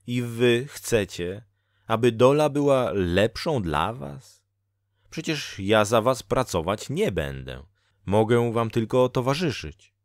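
A man's voice: medium pitch, big pitch swings, slow pace, no room sound, studio quality, voice pushed up. A man voicing Dola, a female spirit of fate who scolds a lazy farmer in a storybook reading, with lecturing, reproachful delivery. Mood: scolding.

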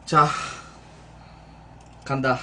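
A man's voice: very slow, pushed and bright. A young man acting as a drill sergeant in a streamed comic military training, giving commands and stern corrections in a small room. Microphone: room mic a few steps away. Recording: distant room mic, music underneath.

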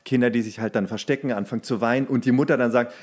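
A man's voice: medium pitch, fairly even intonation, rapid-fire, darkish tone. Man chatting casually, acting out his anecdotes. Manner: colloquial, re-enacts dialogue in his stories. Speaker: podcast co-host and actor. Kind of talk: casual anecdotal podcast chat.

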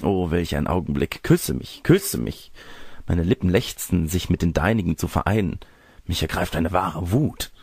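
Ein Mann spricht einen lüsternen, schwülstigen bösen Zauberer in einem Märchen, schmeichelnd und durchtrieben. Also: male voice, low voice, animated, moderate pace, creaky, darkish tone, slightly rough, no room sound, exaggerated voice. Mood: lustful, rapturous. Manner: florid, gushing, sly. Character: lecherous, pompous male evil sorcerer seducer.

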